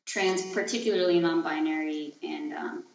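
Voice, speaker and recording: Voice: medium pitch, fairly even intonation, moderate pace, vocal fry. A speaker in their late twenties from Chile, giving reflective, searching answers as an interview guest, often hesitant and trailing off. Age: late 20s. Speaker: podcast guest, artist and activist. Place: echoey room. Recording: dull, roomy lo-fi sound.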